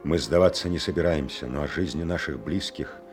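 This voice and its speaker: An actor playing a grave, fatherly army major commanding a besieged fortress in a radio drama, with a deep husky voice. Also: brisk, soft background music. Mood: heavy-hearted, firm.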